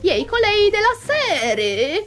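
A woman's voice: extremely high pitch, sing-song, takes it slowly, fairly bright tone. A young woman hosting a gaming channel, giving cheerful, bouncy commentary on her game with little rhymes and plenty of exclamations. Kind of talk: playful Roblox gameplay commentary.

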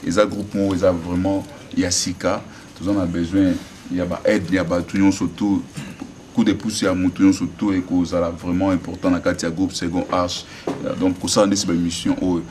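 A gospel singer answering interview questions in an earnest, appealing way. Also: male voice, sits low, little pitch movement, moderate pace. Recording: distant mic with loud noise.

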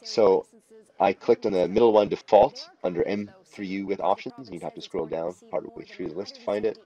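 A man presenting an unscripted software walkthrough, explaining each step in a deliberate, instructional way. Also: low-pitched, steady tone, slightly rough, muffled recording. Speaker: tutorial presenter. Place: voice-over for a screen recording.

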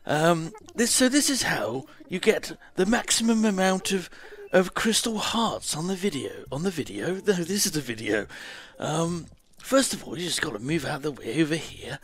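A man's voice: a little high, animated, normal speed, hardly any pauses. A man streaming a game, putting on a theatrical, overly polite presenter voice as he walks through a tutorial. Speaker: streamer doing an impression. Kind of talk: mock-posh gameplay tutorial.

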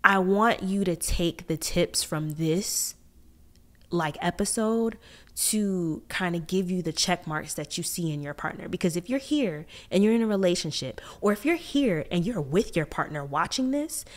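A young adult woman co-hosting a podcast, talking through relationship lessons in an animated, reflective way. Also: fairly low pitch. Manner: animated, reflective, fast-talking when wired. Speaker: podcast co-host. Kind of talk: casual relationship chat.

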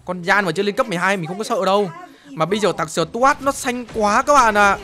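A young man giving excitable live gameplay commentary, full of exclamations and brash trash talk aimed at opponents. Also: high voice, fairly quick, faint music behind. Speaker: gaming streamer.

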